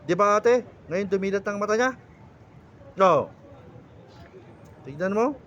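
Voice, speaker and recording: A man's voice: high voice, expressive, unhurried, fairly bright tone, highs cut off, slight background noise. A man from the Philippines working as a folk healer, giving urgent, commanding orders and scolding during a healing ritual outdoors.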